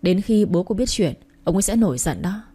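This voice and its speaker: A woman's voice: mid-range voice, animated, brisk, mellow, breathy edge. A woman voicing a cold, greedy young husband who snaps harshly and fawns over his rich boss. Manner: curt and harsh, turning servile to his boss.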